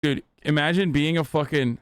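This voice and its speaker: A man streamer riffs crudely and mockingly in a smooth, fairly high voice. The dry sound is close to the mic. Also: moderate pace, no room sound. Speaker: live streamer reacting to clips. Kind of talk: casual profane stream chat.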